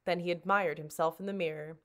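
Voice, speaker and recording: A woman reading a children's storybook aloud like a librarian, with expressive, dramatic narration. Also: fairly low pitch, brisk.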